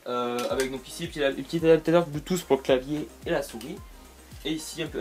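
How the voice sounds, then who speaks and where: A man's voice: on the high side, a little mellow. A young man giving a casual tour of his bedroom, rambling with lots of fillers and restarts and dropping the odd joke, recorded by a camera on a tripod. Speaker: YouTuber. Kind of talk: casual room tour vlog.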